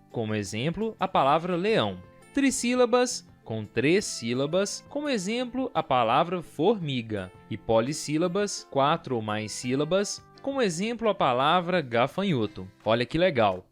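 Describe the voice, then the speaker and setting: A young man from Brazil, a teacher, talking kids through a school lesson in a lively sing-song voice. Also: mid-range voice. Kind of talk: lesson video for children.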